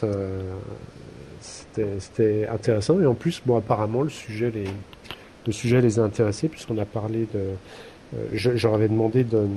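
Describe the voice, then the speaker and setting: A man's voice: fairly low pitch, dark tone, slight background noise, rough recording. A man co-hosting a podcast in casual chat, talking hesitantly with many fillers and restarts. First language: French. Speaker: podcast co-host.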